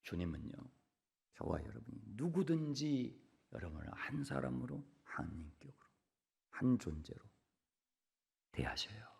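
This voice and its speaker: A man preaching a sermon from the pulpit. He drops to hushed whispers, then repeats words loudly for emphasis, and keeps asking the congregation questions. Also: medium pitch, sing-song, a little slow, vocal fry, long pauses, husky. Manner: swings between hushed whispers and loud emphatic repetitions; conversational, asks the congregation questions. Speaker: pastor. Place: church sanctuary pulpit.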